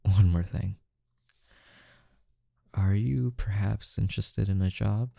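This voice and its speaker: A man playing a calm, intimidating, teasing mafia boss in an ASMR roleplay, with a menacing yet softly coaxing delivery and deliberate pauses. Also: lowish voice, gravelly, no echo, studio quality, full character voice. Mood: amused, coaxing.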